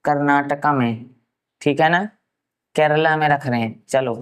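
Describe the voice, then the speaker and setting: A man from Uttar Pradesh giving a science lesson, asking rhetorical questions and answering them himself, and slowly repeating key terms for note-taking. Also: a little high, steady tone, clear, resonant tone. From Uttar Pradesh, India. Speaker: science teacher. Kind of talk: classroom science lecture.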